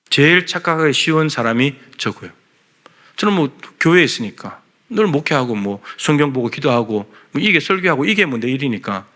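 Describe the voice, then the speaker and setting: Earnest male pastor with a bright voice. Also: medium pitch. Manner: earnest, acts out God's questions to the congregation. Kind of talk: sermon. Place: church sanctuary.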